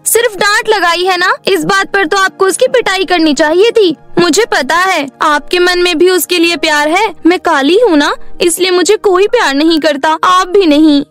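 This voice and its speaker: A woman's voice: extremely high pitch, moderate pace, hardly any pauses, fairly bright tone, voice pushed up. A woman voicing a jealous, sulky, spoiled young daughter in a cartoon moral story, whining and complaining. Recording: faint music bed behind voice.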